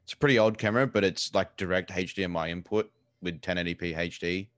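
Casting: male Australian streamer, deep voice, casual and blunt with loose swearing, recorded dry indoors. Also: steady tone, quick pace, dry recording. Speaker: live streamer, interview guest. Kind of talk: casual chat. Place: living room.

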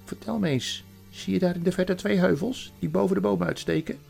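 A man putting on the White Witch, high and honeyed. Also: vocal fry, a little mellow, soft background music. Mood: coaxing. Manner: honeyed, wheedling, drawn-out singsong. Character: coaxing, scheming White Witch queen, woman.

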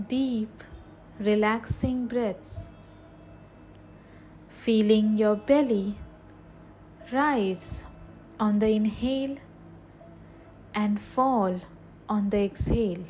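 A woman leading a guided meditation in a soothing, measured way, leaving long pauses between short phrases. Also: fairly high pitch, mellow, faint music behind.

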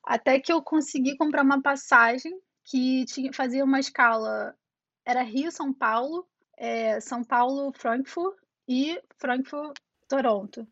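A woman's voice: high-pitched, unhurried, fairly bright tone, dry recording. 30s brazilian woman w/ rio accent, chatty, lots of fillers, dry dull call audio. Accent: Rio de Janeiro, Niterói. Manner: chatty, full of fillers and restarts. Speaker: interview guest. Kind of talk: casual conversational interview. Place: home in Toronto over a call.

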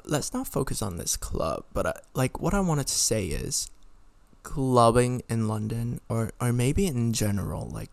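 A man's voice: mid-range voice, creaky, a little mellow, no room sound. Sweary young man rambling casually, dry recording. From Hong Kong. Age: young adult. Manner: blunt, sweary, repeats and rephrases himself. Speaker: vlogger. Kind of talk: casual rambling opinion monologue.

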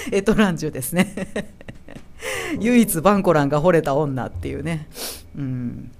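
Lively Kansai-accented woman chatting. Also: sits low, unhurried. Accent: Kansai Japanese. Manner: chatty, laughs often, lively quoting of characters. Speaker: podcast host. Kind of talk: casual solo chat about anime.

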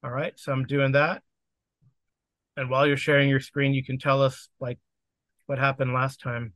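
A man in casual chat before a tabletop session, wandering through his sentences with fillers and restarts. His voice sits at an ordinary middle pitch and sounds close and dry, with almost no room around it. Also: level tone, moderate pace, a bit bright, no room sound. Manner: rambling, with many fillers and restarts. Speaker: game master and podcast host. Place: home setup on a video call.

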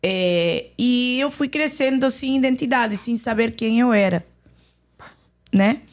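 Woman w/ lebanese + argentine accent, guest on a podcast, halting, starts over a lot. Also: on the high side. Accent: Lebanese Arabic and Argentine Spanish. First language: Arabic. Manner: halting, with many restarts and pauses. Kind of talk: personal testimony in casual conversation.

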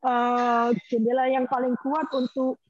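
A woman's voice: high voice, flat delivery, measured pace, soft background music. A woman hosting a casual conversation, asking questions with hesitant fillers. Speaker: host. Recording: dull, lo-fi audio.

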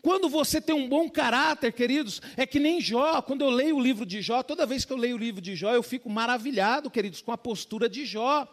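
A pastor delivers a casual, conversational sermon. His voice sits unusually high for a man. He keeps addressing the congregation as "dear ones". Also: a little fast, few pauses. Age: adult with a young child.

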